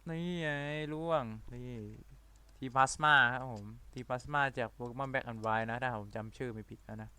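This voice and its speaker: Bright rapid-fire gaming commentator man. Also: medium pitch, smooth. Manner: rapid-fire talker who admits he talks too fast and runs out of breath; excitable, playful, loud exclamations. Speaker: gaming video creator. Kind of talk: excited let's-play commentary.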